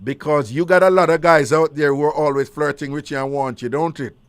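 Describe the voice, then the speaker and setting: A man's voice: on the high side, steady tone, brisk, clear, resonant tone. A man with a Jamaican accent hosting a live call-in radio show, teasing callers and repeating their answers back in a playful way. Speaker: radio talk show host.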